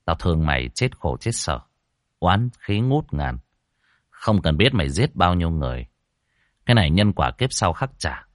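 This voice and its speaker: A man voicing a brash, rough-talking young ghost exorcist who taunts and threatens. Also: low voice, very animated, normal speed, no echo, clean studio sound, pitched below the performer's own voice. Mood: stern. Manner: taunting, swaggering, rough-spoken.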